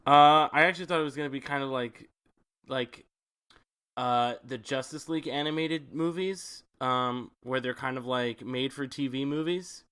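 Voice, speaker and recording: A man's voice: mid-range voice, moderate pace, pushed and bright, clean tone. A man co-hosting a podcast, chatting in an easygoing, agreeable way. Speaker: podcast co-host. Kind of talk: casual chat.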